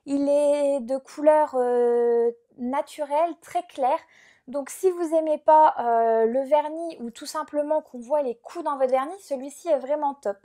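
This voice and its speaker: High-voiced chatty young woman vlogger. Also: measured pace, warm tone. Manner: chatty, many fillers and "donc". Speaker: beauty vlogger. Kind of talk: casual unboxing vlog.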